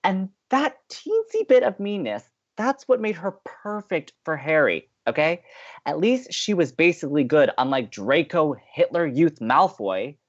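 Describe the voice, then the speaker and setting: An excitable young college radio host, acted by a man, idealistic and full of opinions. His pitch swings around in lively, playful banter, recorded with a slightly dull, lo-fi sound. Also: a little slow. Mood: indignant. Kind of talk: bantering audio drama acting.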